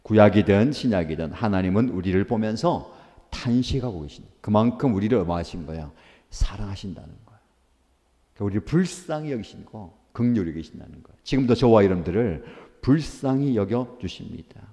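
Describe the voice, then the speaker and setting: A pastor delivers a devotional sermon in a low, mellow male voice. He leans into earnest emphasis and answers his own rhetorical questions. The sound carries the long reverb of a church hall. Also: lively intonation, fairly quick. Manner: asks rhetorical questions and answers them himself.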